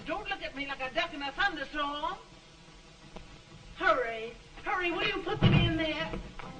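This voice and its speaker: Casting: a bossy, exasperated matron figure, high and cutting, early talkie drama, noisy distant recording. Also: female voice, exaggerated voice. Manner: sharp, exasperated bossing. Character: imperious, scolding, impatient lady of the house. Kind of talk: early talkie film acting. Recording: noisy, distant 1930 film soundtrack.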